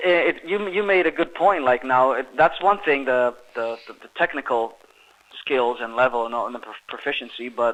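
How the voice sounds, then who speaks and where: Lively in intonation and with big swings in loudness, a man with a plain, everyday voice speaks at a moderate pace. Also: medium pitch for a man. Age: 30s. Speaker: rock guitarist. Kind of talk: phone interview.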